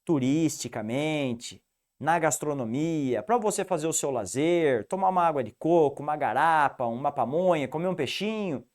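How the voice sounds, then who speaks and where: Brief: upbeat male teacher, Piracicaba rolled-R accent, lively pitch, slightly high voice, drills rules. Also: moderate pace. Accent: Piracicaba interior São Paulo, rolled R. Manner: animated, didactic, repeats rules for the student. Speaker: English teacher. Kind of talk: online video lesson.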